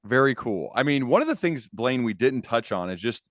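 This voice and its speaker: A man's voice: mid-range voice, very animated, moderate pace, no echo. Man hosting, close dry sound. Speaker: podcast host, interviewer. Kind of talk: conversational interview.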